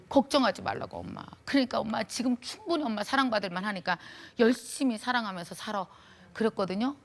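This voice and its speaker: Her pitch fairly high, a middle-aged woman lecturing to an audience recounts something personal in a warm, animated, conversational style.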